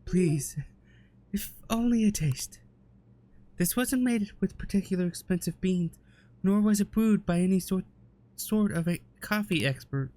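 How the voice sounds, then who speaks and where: A man's voice: high-pitched, measured pace, warm tone. A man voicing a polite, grieving young heiress in a formal, hesitant way.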